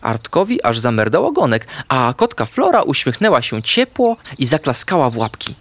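A man narrating a children's bedtime story in an expressive, playful way. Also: mid-range voice, normal speed, slight background noise. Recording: faint background music.

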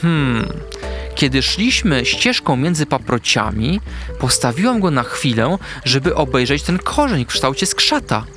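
A small kitten girl, voiced by a man, with a high, childlike storybook voice that shakes with feeling. She speaks gently and slowly, and her voice swings up and down in pitch. Soft music plays faintly behind her. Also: big pitch swings. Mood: earnest. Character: small sad young female kitten.

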